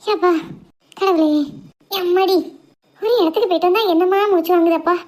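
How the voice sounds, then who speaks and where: A woman's voice: very high-pitched, steady tone, normal speed, darkish tone. A woman voicing a tired, affectionate, grumbling village mother in a cartoon, chattering in a Tirunelveli Tamil accent. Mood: weary, grumbling. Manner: colloquial, chattering, complaining. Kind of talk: homemade cartoon family drama.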